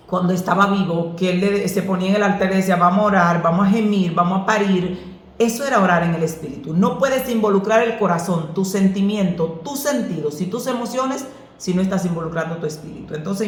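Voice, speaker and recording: A woman pastor, answering questions about prayer in an earnest, preacherly way that slips into lively storytelling. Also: mid-range voice. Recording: echoey room.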